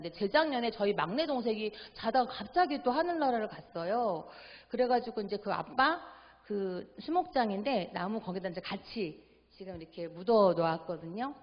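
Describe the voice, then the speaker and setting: A middle-aged woman giving a church family seminar talk. She acts out family dialogue in a lively way and keeps asking the audience to agree. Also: medium pitch. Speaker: seminar lecturer. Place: church hall. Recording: echoey hall, dull audio.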